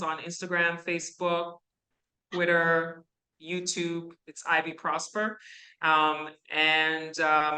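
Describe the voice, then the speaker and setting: Woman from canada talking to a class, low-ish bright voice, chatty with lots of ums. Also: poor audio. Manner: conversational, with fillers and asides. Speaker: guest speaker. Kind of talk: answering student questions. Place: university classroom.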